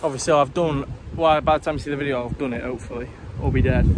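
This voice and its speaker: Over loud background noise, someone speaks at a very fast pace in a dry sound with no echo. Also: man. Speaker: travel vlogger. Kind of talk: casual vlog chat. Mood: jokey, slightly worried. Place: forest. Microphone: phone near.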